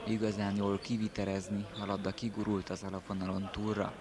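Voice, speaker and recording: A man's voice: lowish voice, monotone, crowd noise. A man giving terse play-by-play commentary on indoor football, clipping out players' names. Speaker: match commentator. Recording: loud sports-hall noise, bouncing ball.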